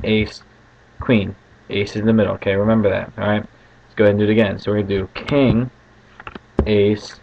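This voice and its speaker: A man's voice: fairly low pitch, creaky. A man giving casual card magician patter as he explains a trick step by step, often checking in with short tag questions. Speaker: card trick tutorial host. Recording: muffled lo-fi home recording with faint noise.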